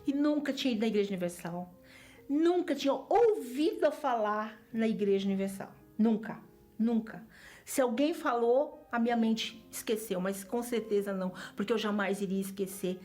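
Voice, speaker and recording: A woman's voice: a little high, moderate pace, mellow, faint music behind. A middle-aged Brazilian woman giving an earnest, emotional religious testimony, often repeating phrases for emphasis. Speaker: church member giving testimony.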